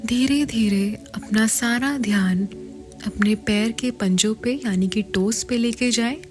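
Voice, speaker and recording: A woman with an Indian accent guides a meditation in a soft, partly whispered voice, in short measured phrases with long pauses. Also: on the high side. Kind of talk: guided meditation, slow soothing instruction. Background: meditation music.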